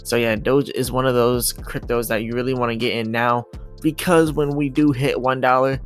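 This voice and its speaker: A man's voice: medium pitch, fairly even intonation, normal speed. A man giving casual, repetitive, hyping commentary over charts as a video host. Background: music.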